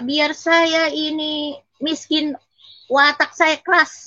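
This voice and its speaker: A woman with a Betawi accent gives a heartfelt personal testimony. She speaks very slowly in a fairly high, husky voice. The recording is dry and dull, with a lo-fi sound. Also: sharp tone, dry recording. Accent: Betawi Indonesian. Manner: earnest, addresses the listener respectfully as sir. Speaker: testimony giver.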